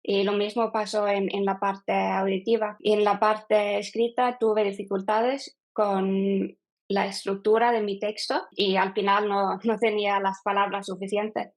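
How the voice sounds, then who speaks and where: A Norwegian woman in her thirties, a non-native speaker, answering as an interview guest, often pausing and restarting as she talks. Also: mid-range voice, little pitch movement. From Norway. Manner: hesitant, with frequent fillers and restarts. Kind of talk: casual interview.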